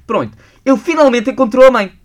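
Fast-talking young man, radio host. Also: very high-pitched. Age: young adult. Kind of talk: lively morning radio banter. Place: radio studio.

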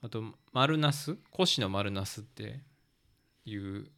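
A man's voice: lowish voice, expressive, takes it slowly, creaky, bright, forceful tone. A man with a Kansai accent telling stories in casual chat, a little hesitant and trailing off as he goes. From Kansai, Japan. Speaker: guest recounting a mountain work stay.

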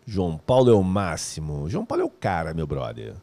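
Lively man hosting a live stream. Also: low-pitched. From Rio de Janeiro, Brazil. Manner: energetic, slangy, joking, calls viewers "meu brother". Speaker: host of a live music course stream. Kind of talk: casual live-stream chat reading viewer comments.

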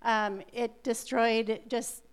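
A middle-aged woman, a missionary nurse, explaining background in a steady, informative way during a church presentation. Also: fairly high pitch, slow pace, smooth.

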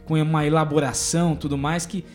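A man's voice: on the high side, brisk, soft background music. A man hosting an interview, asking questions and reflecting with enthusiasm. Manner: enthusiastic, reflective, lively intonation. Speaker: host. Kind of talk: casual interview chat.

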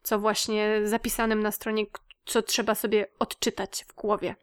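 A woman's voice: mid-range voice, level tone, moderate pace, clear, resonant tone. A woman co-hosting a podcast, chatting casually and prompting the other speaker. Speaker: podcast co-host.

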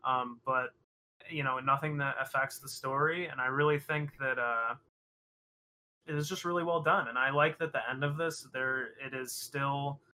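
A man's voice: medium pitch, fairly even intonation, moderate pace, sharp tone, low-quality recording. A man chatting casually and informally as a co-host discussing a film, swearing freely. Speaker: podcast co-host reviewing a horror film. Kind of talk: casual chat.

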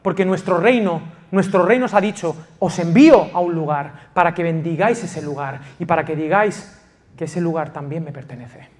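A man from Spain preaching a passionate sermon as pastor of a church, swinging from loud emphasis to quiet intimacy. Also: a little high, normal speed. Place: church in Valencia.

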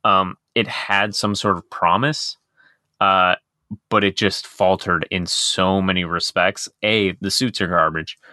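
Podcast co-host, low male voice, forceful tone, dry close sound, rambling chat. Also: fairly even intonation, measured pace, no echo. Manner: rambling, heavy on filler words. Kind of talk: casual chat.

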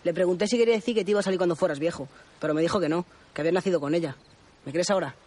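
Film role: a defensive young camp guy, very fast, high-pitched sharp comebacks. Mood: bickering. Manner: exasperated, sharp retorts. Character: quick-tongued, defensive young man at a summer camp. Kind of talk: film dialogue.

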